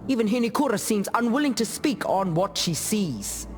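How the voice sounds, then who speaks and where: A high-pitched, solemn tribal warrior. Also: male voice, lively intonation, normal speed. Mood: solemn, troubled. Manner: grave, earnest. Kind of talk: video game character dialogue. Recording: music under the voice.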